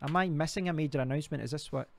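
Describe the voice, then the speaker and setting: Pitched on the high side with vocal fry, this Scotsman speaks very fast. Hosting a laid-back crypto livestream, he clicks through websites, rambling and muttering to himself.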